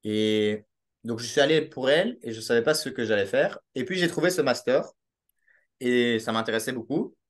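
A man's voice: medium pitch, normal speed. Hesitant young Belgian man on a video call. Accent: Belgian French. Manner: hesitant, with many restarts and fillers. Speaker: podcast guest. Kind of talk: casual interview over video call. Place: small home room with a sloped ceiling. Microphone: laptop webcam mic on a video call.

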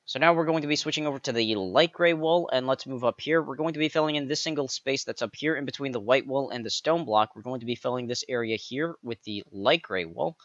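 A man's voice: mid-range voice, fairly quick, few pauses, fairly bright tone, no room sound, dull audio. Guy walking thru a pixel art build, counts blocks, goofy asides, dry close mic. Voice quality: slightly raspy. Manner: playful, counts blocks aloud, jokey asides. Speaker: pixel art tutorial creator. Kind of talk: step-by-step game build tutorial.

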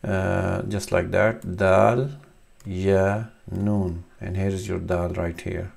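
Slow, gravelly-voiced man teaching letters. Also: sits low, level tone, a little mellow. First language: Urdu. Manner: slow, halting explanation with many fillers. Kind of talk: screen-recorded reading lesson.

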